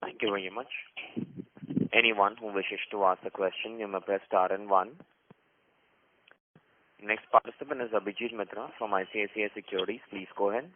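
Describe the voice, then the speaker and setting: Low-voiced male call operator, phone line. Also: fairly even intonation, fairly quick, long pauses. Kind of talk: scripted call moderation. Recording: noisy narrowband phone line.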